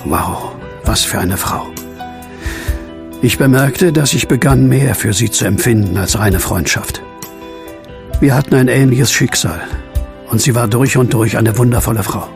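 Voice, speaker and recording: A brooding man telling his own horror tale in a radio play. His middle-pitched voice has a gravelly creak. He is earnest and measured, with music running underneath. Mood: wistful, reflective. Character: brooding widowed man haunted by a werewolf. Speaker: narrator and lead character. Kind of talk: German audio drama acting, first-person narration.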